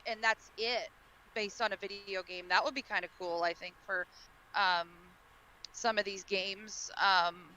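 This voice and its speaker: A woman's voice: medium pitch, fairly even intonation, measured pace, bright, forceful tone, a little hiss or hum, poor audio. A woman offering her thoughts in a casual panel discussion. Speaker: podcast co-host or panelist.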